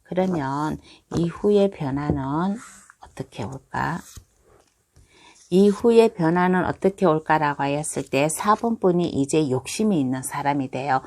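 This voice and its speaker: A woman with a low voice reads tarot cards for her viewers. She speaks in a calm, reassuring way, repeating her phrases and trailing off with gentle guesses. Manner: slow, reassuring, repeats phrases and hedging endings. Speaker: tarot reader. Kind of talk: tarot card reading for viewers.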